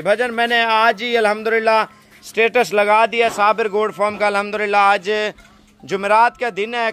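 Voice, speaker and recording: High-voiced young man pitching goats. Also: a bit bright. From Pakistan. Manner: persuasive, salesy, heavy religious fillers. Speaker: goat farm seller. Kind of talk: selling pitch to camera. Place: outdoor goat pen on a farm. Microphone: phone camera at arm's length.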